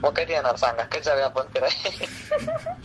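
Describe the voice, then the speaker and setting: A man with a rural Maharashtrian accent making colloquial, flattering small talk in a casual phone chat. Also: on the high side, normal speed. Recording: noisy recorded phone call.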